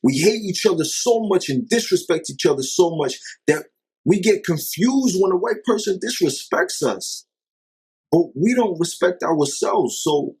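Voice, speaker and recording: A man's voice: fairly high pitch, darkish tone, husky. A man vlogging an impassioned commentary monologue, emphatic and exasperated, firing off rhetorical questions.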